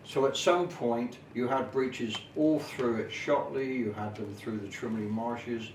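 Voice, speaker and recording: Unhurried man, echoey distant recording. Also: mid-range voice, a little mellow. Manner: measured, formal, detailed phrasing with hesitant pauses. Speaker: local history presenter. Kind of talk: informal explanatory talk at an exhibition display. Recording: echoey, noisy room, distant camera microphone.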